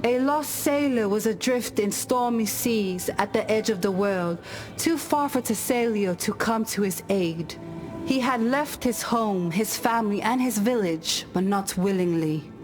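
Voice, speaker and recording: An actress playing a solemn tribal woman who tells ancestral fables in a measured, grave, deliberate way for a video game. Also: mid-range voice, lightly acted. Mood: solemn, reverent. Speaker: game character storyteller. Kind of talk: scripted storytelling of parables.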